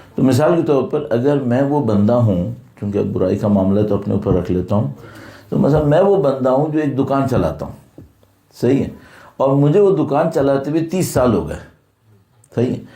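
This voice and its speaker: Lively in intonation, a man at medium pitch talks at a moderate pace, and room echo is audible. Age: 50s. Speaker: Shia cleric. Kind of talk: religious sermon (majlis).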